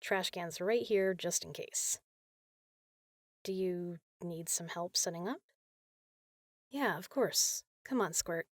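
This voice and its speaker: Woman acting as caring big sister, lowish voice, soft, casual, playfully teasing, dry close sound, comfort audio roleplay. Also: slow, pauses often, no room sound.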